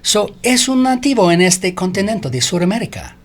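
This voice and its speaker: A man whose first language is English, speaking halting learner Spanish as a radio interview guest, slipping into English fillers. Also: high voice, very animated. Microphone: studio microphone.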